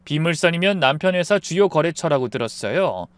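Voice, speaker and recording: A male storyteller narrates a first-person family drama in a confiding, emotional tone. His voice is a touch high and very animated in pitch. The recording is dry and close. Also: brisk, smooth, no echo.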